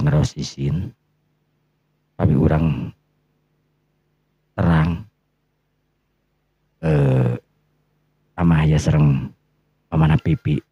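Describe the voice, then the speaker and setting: A man voicing a shy, hesitant young man in love, soft and halting, with a Sundanese accent, in a story. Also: a bass voice, slightly rough, dry recording, voice pushed down, heavily acted. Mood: embarrassed, hesitant. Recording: muffled, lo-fi recording.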